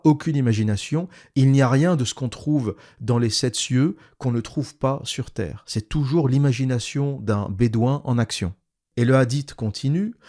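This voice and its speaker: Man, middle pitch, critical commentary, reads a text aloud and explains it, sardonic asides. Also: a little mellow. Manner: explanatory, restating terms. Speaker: video commentator.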